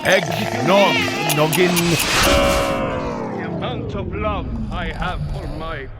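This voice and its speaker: An actor playing a boisterous, merry superhero reveller in a comedic audio drama. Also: male voice, sits high, slow pace. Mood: tipsy, merry. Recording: loud music over the voice.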